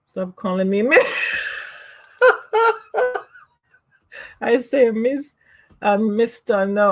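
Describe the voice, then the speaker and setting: A woman with a Jamaican accent hosting a casual livestream, chatting with viewers and laughing often at herself. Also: mid-range voice. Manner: giggly, laughs often, self-teasing. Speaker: livestream host. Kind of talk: casual livestream chat reading comments.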